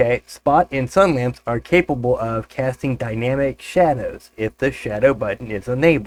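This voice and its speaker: Man at a moderate pace, medium pitch and ordinary pitch variation, dry, close sound with no echo. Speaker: game development tutorial youtuber. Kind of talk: tutorial. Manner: loud; halting.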